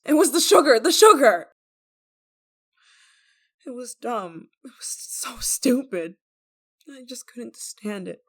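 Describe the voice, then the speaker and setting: Woman acting fragile, halting, lovesick young woman. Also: a little high, very animated, heavily acted. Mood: anguished. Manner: halting, stammering, emotionally fragile. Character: desperate, guilt-ridden young woman, obsessive lover, tender and anxious. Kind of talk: intimate dramatic audio roleplay.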